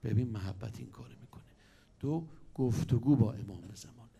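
A man preaching a sermon, telling stories with sudden swings between loud and hushed delivery. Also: mid-range voice, vocal fry, slightly rough.

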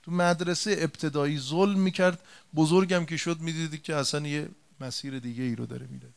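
A slightly high-voiced male preacher. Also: steady tone, vocal fry, clear, resonant tone. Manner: addresses listeners directly with rhetorical questions; colloquial storytelling with emphatic repetition. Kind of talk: religious sermon retelling a story.

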